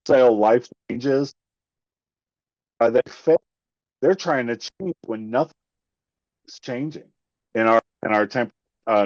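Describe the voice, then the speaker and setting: A man giving an informal nature talk on a video call, his voice cutting out over a bad connection, halting with many fillers. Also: mid-range voice, dry recording. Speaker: seminar presenter. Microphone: Bluetooth earbuds on a video call. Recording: dull, dry, choppy call audio.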